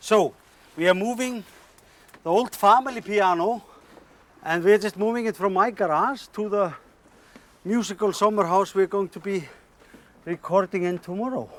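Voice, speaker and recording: A man with a notably high voice talks casually to the camera, explaining a task as he goes along. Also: moderate pace, pauses often.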